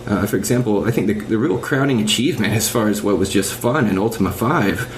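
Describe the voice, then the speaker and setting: A man talking casually as a podcast panelist about games, explaining things in measured, articulate phrases. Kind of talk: casual video game discussion. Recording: noisy low-quality online voice chat.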